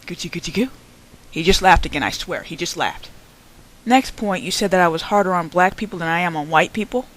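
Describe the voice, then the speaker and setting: A woman's voice: lowish voice, fairly quick, poor audio. Sarcastic young woman ranting on camera. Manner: sarcastic, combative, mocking. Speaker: channel host answering another vlogger. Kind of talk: response vlog rant.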